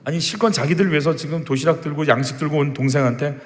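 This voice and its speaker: Brief: male pastor preaching, emphatic rhetorical questions, fairly high voice, long church reverb. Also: fast. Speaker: senior pastor. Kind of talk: sermon. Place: church sanctuary.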